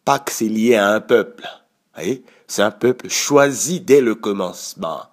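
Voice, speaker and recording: Male preacher, low voice, slow lively sermon delivery. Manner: slow, emphatic, repeats "vous voyez". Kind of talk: prayer and sermon.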